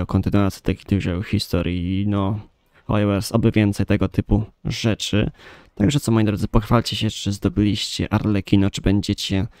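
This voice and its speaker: A man's voice: on the low side, a little mellow, no echo, studio quality. A man with a Polish accent giving casual, informal let's play commentary as a gaming video host. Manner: informal, mild swearing.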